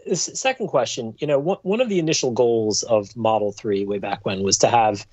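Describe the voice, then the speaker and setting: A man working as a financial analyst, politely and haltingly putting questions on a dull-sounding conference call. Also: mid-range voice, lively intonation, a little mellow.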